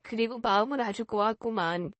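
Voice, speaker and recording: A woman voicing a quiet young fiancé. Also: a little high, fairly quick, no room sound, dull audio, lightly acted. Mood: teasing. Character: quiet young male fiancé, gentle and earnest.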